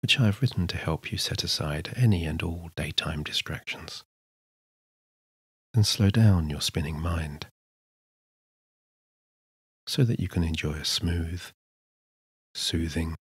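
A man narrating a scripted sleep hypnosis session in a soothing, measured manner with unhurried pauses. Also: low-pitched, a bit bright, slightly rough, no room sound. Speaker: hypnotist, guided meditation narrator.

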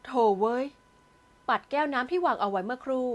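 A woman narrating a romance audio novel in a steady storytelling manner. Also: high-pitched, rapid-fire.

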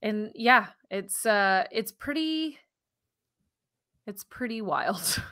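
An American woman in her thirties co-hosting a science podcast, explaining things conversationally in an animated way. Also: medium pitch, slow pace. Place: living room at home, indoors. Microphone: headset on a video call.

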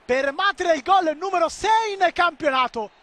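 A man giving excitable live football commentary, swinging between clipped calls and drawn-out shouts. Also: very high voice.

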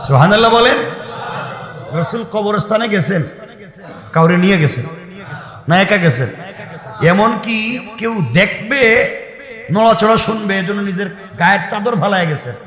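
A man preaching an impassioned sermon, swinging from soft storytelling to shouted exclamations, quizzing the crowd and chanting Arabic phrases in a drawn-out tune. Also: high-pitched. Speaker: Islamic preacher. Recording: echoey hall reverb.

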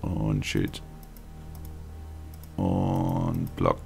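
A man's voice: extremely low pitch, fairly even intonation, very slow, creaky, a little mellow. A man giving casual gameplay commentary as a let's play host, rambling and thinking aloud. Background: video game music.

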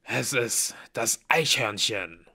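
A man's voice: mid-range voice, expressive, sharp tone, full character voice. A man reading aloud and voicing a jittery male dwarf who panics easily and stretches his words out fearfully. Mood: ominous. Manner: drawn-out, fearful.

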